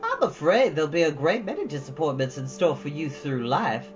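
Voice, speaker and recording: A woman's voice: deep voice, very animated, brisk, soft background music, voice pushed down. A woman voicing a stern, sensible older guardian in a storybook, with a firm, admonishing manner. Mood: resigned. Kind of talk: storybook read-aloud. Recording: dull, lo-fi, faint background noise.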